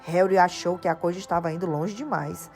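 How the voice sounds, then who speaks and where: A woman with a Brazilian accent narrating an audiobook in a calm, storytelling manner. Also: a little fast, soft background music. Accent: Brazilian Portuguese. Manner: calm, lower-voiced storytelling. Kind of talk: audiobook reading.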